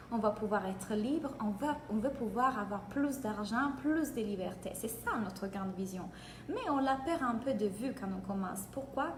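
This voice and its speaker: A woman from Italy with an Italian accent, giving an energetic live-streamed coaching session in French and greeting viewers by name. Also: medium pitch, a little hiss or hum. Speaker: business coach. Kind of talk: live-streamed free training. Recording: echoey room, faint ambience.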